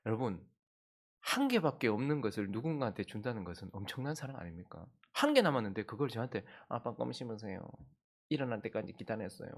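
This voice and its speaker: A male pastor preaching an early-morning sermon, telling a family story in an animated way and speaking to the congregation. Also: medium pitch. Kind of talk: anecdotal dawn-service sermon.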